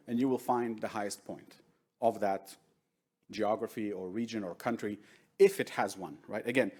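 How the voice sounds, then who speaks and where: A man's voice: mid-range voice, a little mellow, husky. A middle-aged man whose first language is Hebrew, giving a conversational lecture at a conference and often asking the audience "right?". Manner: conversational, keeps checking in with "right?". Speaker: workshop presenter. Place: large conference room with seated audience.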